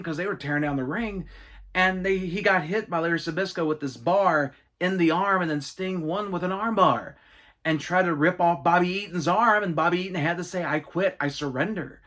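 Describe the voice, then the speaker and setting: A middle-aged man with a slightly high-pitched voice talks through a casual Q&A. He tells his stories with enthusiasm and throws in animated asides. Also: moderate pace. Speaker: gaming and wrestling channel host. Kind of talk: casual Q&A monologue.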